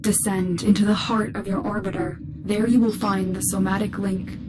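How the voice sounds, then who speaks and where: A woman playing a protective guide and commander in a video game, giving measured, earnest instructions. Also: mid-range voice, level tone, very noisy, close to an everyday voice. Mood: concerned, guiding. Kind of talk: dramatic video game acting. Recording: loud dramatic music behind.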